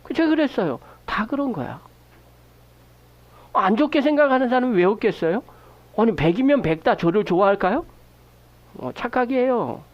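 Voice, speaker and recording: A man's voice: very high voice, moderate pace, long pauses, no echo, highs cut off. A man preaching a sermon as pastor, asking the congregation rhetorical questions and acting out prayers in his own voice. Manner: animated preaching, acts out prayers and quoted remarks. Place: church sanctuary.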